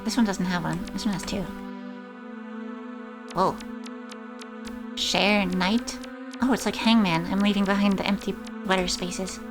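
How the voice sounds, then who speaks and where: A woman casually narrating her way through a game on stream, now and then reading the on-screen poems aloud. Her voice sits at an ordinary middle pitch. Game music plays clearly beneath her. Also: steady tone, a little slow, long pauses. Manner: reads in-game poems aloud, chats to chat. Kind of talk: casual gameplay commentary. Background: game music and insect sounds.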